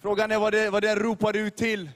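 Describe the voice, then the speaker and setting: A man preaching a sermon to a gathering, his voice pitched high but held in a narrow, level band. He drives his points home with emphatic repetition and rhetorical questions. Long reverb from a large church hall hangs behind every phrase. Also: completely flat delivery, fairly bright tone. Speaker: youth leader preaching.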